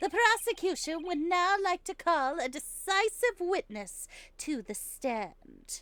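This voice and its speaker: Using a put-on character voice, a woman speaks at a fairly slow pace in an extremely high pitch that swings very widely. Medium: fan dub. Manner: pompous, theatrical.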